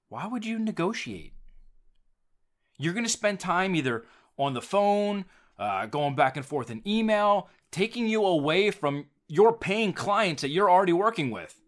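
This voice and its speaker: A man's voice: a little high, a bit bright. A man hosting a solo podcast, talking casually and emphatically about business, often repeating words as he drives a point home. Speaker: podcast host; business coach and writer.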